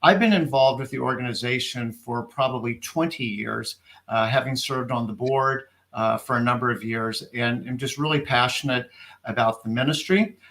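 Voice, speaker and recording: Bright-voiced upbeat male host. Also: mid-range voice, normal speed. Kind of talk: casual interview hosting.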